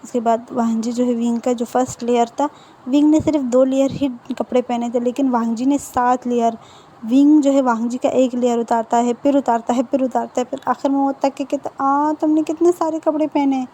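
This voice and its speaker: A woman's voice: fairly high pitch, steady tone, fairly quick, warm tone. A woman casually retelling a fan fiction story in a chatty, loose way. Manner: chatty, full of fillers and restarts.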